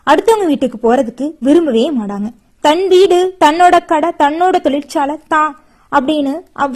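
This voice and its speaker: A woman, speaking as an astrology presenter and gently reassuring her viewers while she lists her points one by one. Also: high-pitched. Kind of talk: horoscope talk addressed to viewers.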